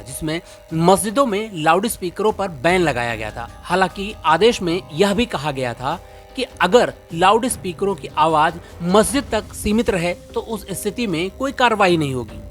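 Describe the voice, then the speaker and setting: News explainer presenter, Indian accent, medium pitch, reads from script over a music bed. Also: sing-song, moderate pace. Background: background music.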